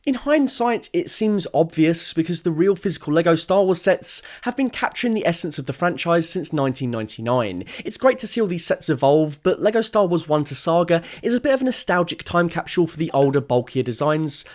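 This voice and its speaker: A man's voice: fairly high pitch, big pitch swings, fairly quick, hardly any pauses. A young man narrating a scripted video essay in an enthusiastic, wry, conversational way. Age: young adult. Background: background music.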